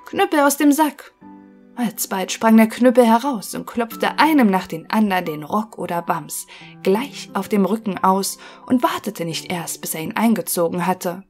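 A woman narrating a fairy-tale audiobook with calm, measured storytelling. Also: mid-range voice, faint music behind.

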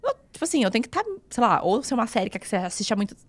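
A woman's voice: a little high, rapid-fire, no room sound. A Brazilian woman in her thirties hosting a casual chat, telling stories animatedly and acting out quoted lines. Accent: Brazilian Portuguese. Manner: animated storyteller who acts out quoted lines. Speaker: podcast host.

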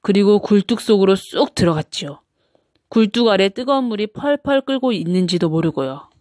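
A woman's voice: medium pitch, animated, fairly quick, darkish tone, dry recording. Woman reading a children's storybook, dry sound.

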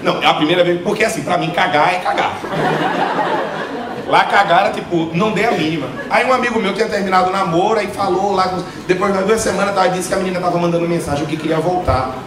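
A man in his thirties with a Northeastern Brazilian accent doing an animated stand-up set into a handheld mic, acting out quoted voices. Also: high-pitched, fast talker, recorded from a distance, background noise. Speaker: stand-up comedian. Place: theater stage before a live audience. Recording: roomy theater sound with loud laughter.

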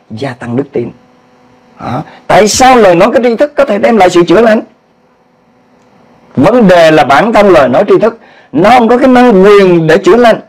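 High-voiced preaching male pastor. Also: low-quality recording. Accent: Vietnamese (Southern). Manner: animated preaching, asks the congregation questions and acts out quoted cries. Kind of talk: sermon.

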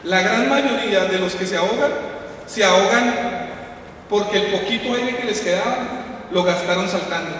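A priest preaching a sermon, shouting at its peaks and then sinking low and quiet. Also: male voice, normal speed, a little hiss or hum. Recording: echoey hall from far off.

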